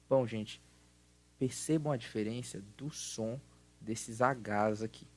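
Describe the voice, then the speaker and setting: A Brazilian man with a Portuguese accent who teaches an English grammar lesson. He explains patiently and repeats words slowly to model their pronunciation. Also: mid-range voice.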